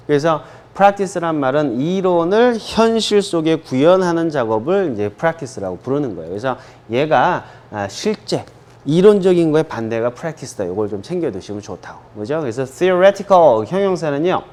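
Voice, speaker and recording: A Korean man teaching English grammar in a lively, sing-song voice that rides up and down a lot. His voice sits a little high, and he keeps checking in with his students, then stretches English phrases out slowly for them to repeat. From South Korea. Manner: drills students with frequent "그죠?" and slow English repeats. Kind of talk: classroom grammar lesson.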